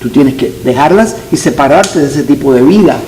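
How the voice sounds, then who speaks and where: A Cuban-born man teaching a Bible class as pastor, his voice mellow and a little high for a man. He talks in earnest and repeats key lines for weight. A faint hiss sits under the recording. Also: lively intonation, moderate pace, rough recording. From Cuba. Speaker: pastor teaching Sunday school.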